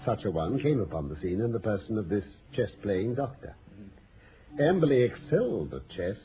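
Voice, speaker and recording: A self-assured British detective in an old radio mystery. His mellow voice moves freely up and down as he lays out his reasoning with theatrical precision. The old broadcast recording carries some noise. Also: fairly low pitch, big pitch swings, normal speed, rough recording. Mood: grave, dramatic. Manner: theatrical, articulate, lecturing. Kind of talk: 1940s-50s radio mystery acting.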